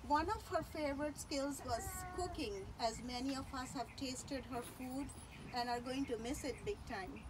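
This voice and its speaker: A high-pitched woman's voice gives a eulogy over clearly audible background noise. Her delivery is faltering and tender, moving in short, careful phrases. She speaks with reverence, as a daughter remembering a parent. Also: normal speed. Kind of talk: personal eulogy speech.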